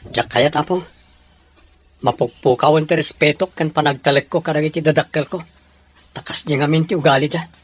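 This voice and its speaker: An actor playing a proud, defiant young adult son in a radio drama, with a Filipino Ilocano accent. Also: male voice, fairly high pitch, steady tone, fairly quick, lightly acted. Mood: earnest.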